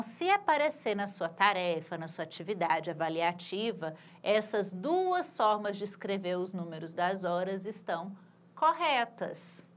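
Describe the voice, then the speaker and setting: Woman, adult-ed English teacher, high voice, unhurried. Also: a bit bright. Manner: patient, repeats phrases slowly and clearly. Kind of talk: recorded video lesson for adult learners.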